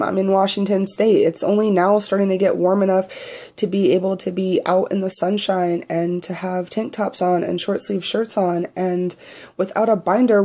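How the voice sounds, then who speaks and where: In his personal video diary, a young trans man speaks candidly and bluntly, cursing freely. His voice is naturally high but he aims it lower, giving it a dark tone.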